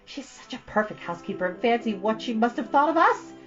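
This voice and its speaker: A woman's voice: fairly high pitch, lively intonation, quick pace, highs cut off, soft background music, pitched above the performer's own voice, close to an everyday voice. A woman voicing an imaginative, dramatic young girl who talks in breathless run-on stories. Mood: rueful, dramatic. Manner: breathless, run-on storytelling, theatrical.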